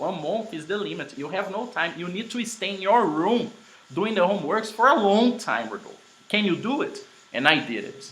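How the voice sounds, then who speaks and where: A man with a Brazilian Portuguese accent speaks high for a man, in a raised, projected voice with ordinary pitch variation. Room echo is audible. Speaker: English teacher. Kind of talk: casual chat.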